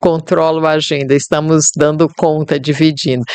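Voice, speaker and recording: A woman talks in a very deep, low pitch with a monotone, flat intonation. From Brazil, Maracaju (Mato Grosso do Sul). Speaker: pastor and community association leader. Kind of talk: podcast interview.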